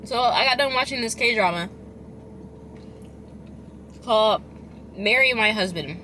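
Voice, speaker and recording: A woman chatting casually as a food vlogger, chewing while she talks, rambling and expressive with emphatic delivery. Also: on the high side, measured pace, a little hiss or hum. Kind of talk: casual chatty eating vlog.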